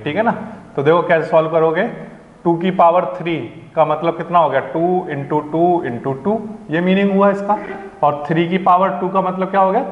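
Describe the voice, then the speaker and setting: A man's voice: on the high side, reverberant, in a large hall, highs cut off. A man teaching a maths lesson, patiently walking students through each step and checking they follow. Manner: patient, repeats "ठीक है ना" to check understanding; calls students "प्यारे बच्चों" affectionately.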